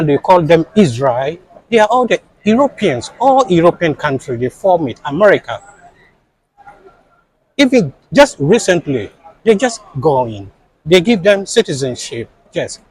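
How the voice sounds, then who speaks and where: A man's voice: high voice, husky, no echo, rough recording. A man being interviewed, speaking in an impassioned, insistent way and repeating his points for emphasis.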